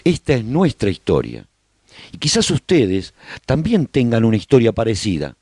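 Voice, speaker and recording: A man playing a proud, hopeful survivor in a radio drama, narrating his colony's story as a broadcaster in measured phrases. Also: mid-range voice, wildly swooping pitch, a little mellow, husky, no echo, clean studio sound. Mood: solemn, welcoming.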